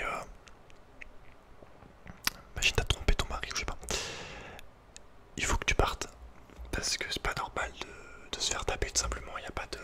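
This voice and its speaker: A man whispering in a breathy, unvoiced voice, chatting informally and hesitantly in ASMR style. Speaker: ASMR video creator. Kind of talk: whispered ASMR, casual rambling chat.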